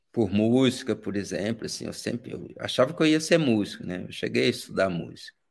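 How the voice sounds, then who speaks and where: A man at medium pitch, talking at a fairly quick pace with hardly any pauses, lively intonation, vocal fry and big swings in loudness. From Minas Gerais, Brazil. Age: 60s. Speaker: photographer and video artist. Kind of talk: interview.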